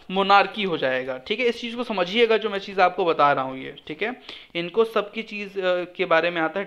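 High-voiced man teaching step by step. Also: a bit bright. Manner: explains step by step, repeats each answer, asks and answers his own questions; reads English phrases slowly, word by word. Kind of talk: classroom-style exam lesson.

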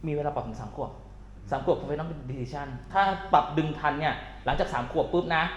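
A man working as a dog trainer, explaining dog behavior to owners in casual, animated coaching talk, with bursts of praise for the dog. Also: on the high side, fairly quick, reverberant, dull audio.

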